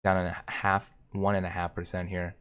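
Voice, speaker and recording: A man hosting a live stream, commenting on stock charts and reading viewer comments aloud with excitement. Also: low voice, normal speed, clean tone. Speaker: livestream host.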